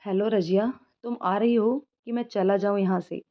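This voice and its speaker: A woman's voice: mid-range voice, steady tone, moderate pace, natural voice. A woman reading the part of a playful young man in love who teases and sings to his girlfriend, in a storybook narration. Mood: teasing. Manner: teasing, sings filmy lines. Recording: dull lo-fi recording.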